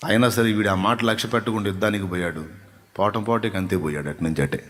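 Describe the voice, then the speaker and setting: A male pastor preaching a Sunday sermon, emphatic, building to loud repeated phrases and dropping back to quiet asides. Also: lowish voice, fast talker. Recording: echoey hall reverb.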